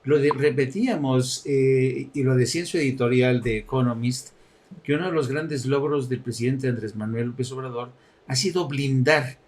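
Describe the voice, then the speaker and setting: A man, talking politics in a mocking, animated way and laughing often. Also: mid-range voice, moderate pace, a little hiss or hum. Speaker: political commentator. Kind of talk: sarcastic political chat.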